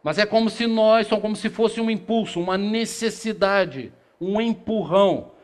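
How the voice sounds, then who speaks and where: A man's voice: high-pitched, normal speed. A middle-aged man from Brazil giving a spiritist lecture in a small meeting room, reading passages aloud and posing rhetorical questions that he answers himself. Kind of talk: lecture to a seated audience. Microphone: far camera, no handheld mic.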